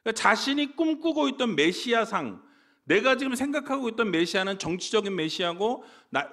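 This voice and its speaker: 억양이 풍부하고 음높이가 약간 높은 남자 목사가 설교한다. 회중에게 자주 질문을 던지고 "예"라는 말로 흐름을 이어 간다. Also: male voice, high voice, fairly bright tone. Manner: asks the congregation questions, fillers like "예". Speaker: pastor. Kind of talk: sermon.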